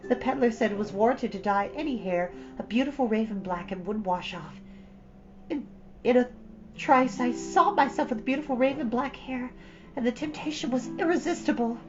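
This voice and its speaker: Woman putting on a very high, melodramatic young girl. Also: lo-fi sound, lightly acted.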